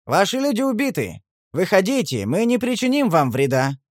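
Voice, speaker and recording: A man voicing a treacherous tribal chief who calls out loudly in a whining tone. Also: sing-song, normal speed, no echo, clean studio sound. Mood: wheedling, shouting. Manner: loud, high, whining calls.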